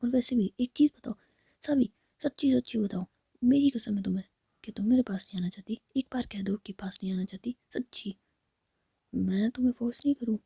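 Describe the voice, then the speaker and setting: A woman's voice: on the high side, a little fast, vocal fry, mellow, slightly rough, no echo, exaggerated voice. Woman whispering as a teasing young woman. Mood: pleading.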